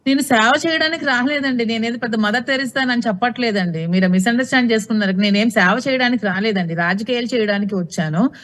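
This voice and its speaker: A woman's voice: on the high side, quick pace, hardly any pauses, a bit bright. A woman answering questions in a TV interview, outspoken and insistent, often repeating her points.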